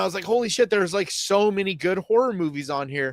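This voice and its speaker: This man talks loudly at a high pitch with lively intonation. The sound is dry and close, with no echo. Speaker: horror podcast host and movie reviewer. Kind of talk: live stream Q&A. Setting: solo live stream. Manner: casual, conversational.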